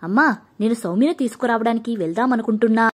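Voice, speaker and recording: A woman voicing an earnest, injured young married man who pleads gently but firmly. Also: a little high, quick pace, husky. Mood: pleading, firm. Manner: pleading, firm.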